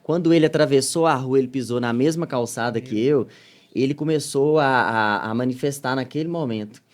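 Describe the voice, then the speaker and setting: A man with a Minas Gerais accent recounts his experiences on a podcast. His voice rises and falls, loud in one moment and hushed the next, carried on a pitch of middling height. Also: a little fast. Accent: Minas Gerais Portuguese. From Minas Gerais, Brazil. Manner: animated storytelling, swings from loud to soft. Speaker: missionary guest. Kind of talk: podcast testimony.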